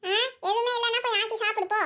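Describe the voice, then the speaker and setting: A woman voicing a sharp-tongued old village mother-in-law in a cartoon, who scolds and teases with quick retorts. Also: extremely high pitch, fairly even intonation. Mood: scolding. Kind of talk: cartoon voice acting.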